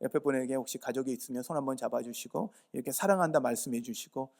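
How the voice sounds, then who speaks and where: A man's voice: medium pitch, fast, vocal fry, a little mellow. A pastor from Yeosu in South Korea, preaching a sermon at a church service. He earnestly urges the congregation and answers his own rhetorical questions. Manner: earnest, urging.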